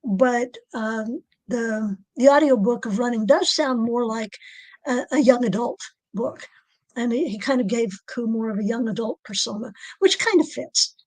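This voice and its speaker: A woman author with a low alto voice, speaking in a halting, soft-spoken way in a casual podcast interview. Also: dry recording, low-quality recording. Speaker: author guest.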